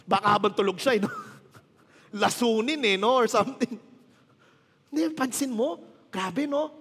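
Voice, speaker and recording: A Filipino-accented pastor in his thirties gives a conversational sermon in a large hall, telling stories, mixing Tagalog and English, and tossing in joking asides. His high-pitched voice is husky, a bit bright, and a little slow, strained and tired from little sleep.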